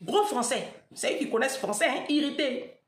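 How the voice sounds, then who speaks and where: A woman tells a testimony to her viewers as an online preacher, animated and emphatic, laughing often and repeating herself. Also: sits high, normal speed. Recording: echoey room.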